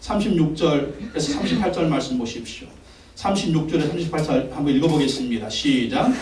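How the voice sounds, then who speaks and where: A man's voice: fairly high pitch, expressive, fairly quick, darkish tone, recorded from a distance, a little hiss or hum. A male pastor preaching a Sunday sermon with emphasis, repeating his phrases and asking the congregation questions. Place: church sanctuary. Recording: echoey church hall, voice from off-mic.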